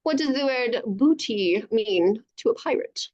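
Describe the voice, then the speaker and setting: A woman reading a storybook aloud to children over a video call, with animated narration and encouraging, chatty asides, in dull lo-fi sound. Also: a little high, measured pace. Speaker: children's author reading own book aloud.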